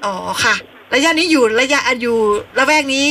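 A woman's voice: high-pitched, lively intonation, normal speed, pushed and bright. A woman hosting a live radio call-in show, reading out listener questions politely, sometimes a little flustered. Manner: polite, reads listener messages and questions aloud, a bit flustered. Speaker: radio host.

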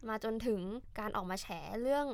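A woman co-hosting a casual political talk show, an academic telling the news in a chatty, animated way. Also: fairly quick, no room sound. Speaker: co-host, academic.

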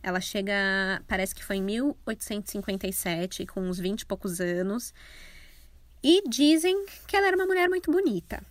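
A woman's voice: medium pitch, lively intonation, normal speed, no echo. A young Brazilian woman casually telling a true crime story, irreverent and sarcastic, with slang and the odd swear word.

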